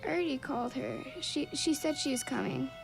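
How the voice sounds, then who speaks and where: Children's radio drama schoolgirl: very high, swooping voice, plaintive and easily wounded, music underneath. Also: lively intonation, brisk, vocal fry, poor audio. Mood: tearful, hurt. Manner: plaintive, emphatic, childlike phrasing. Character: upset schoolgirl, earnest, dramatic, quick to take offence.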